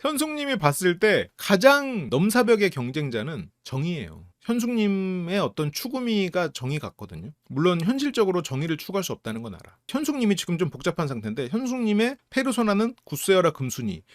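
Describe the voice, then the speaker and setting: Lively higher-voiced man commenting casually. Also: no echo, clean studio sound. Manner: animated, acting out others' lines in quick mimicry. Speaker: host and psychological counselor. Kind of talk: casual commentary reviewing a show.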